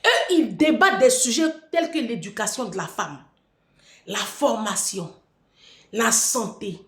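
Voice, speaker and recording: Woman vlogger, provocative taunting rant, bright-ish voice, roomy echo. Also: fairly high pitch, expressive, a little slow. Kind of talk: mocking monologue to camera. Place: room in France. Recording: echoey room.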